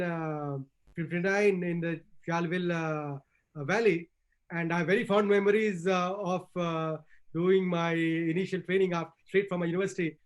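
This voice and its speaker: A man with a distinctly high voice and a posh, educated Indian accent. He speaks in a formal, measured way with carefully ornate phrasing, as in a public talk. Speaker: panel speaker, forest service officer. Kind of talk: formal conversational talk on history.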